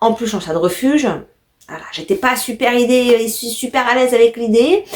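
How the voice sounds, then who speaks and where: A woman's high voice with lively intonation. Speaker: knitting vlogger. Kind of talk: casual vlog chat. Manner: fast; hesitant with many fillers.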